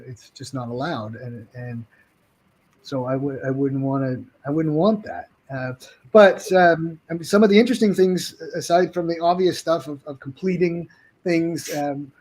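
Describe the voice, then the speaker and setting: Higher-voiced man, halting guest speech. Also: darkish tone, poor audio. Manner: halting, restarts with many ums and uhs. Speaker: game publisher guest. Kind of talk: casual interview chat.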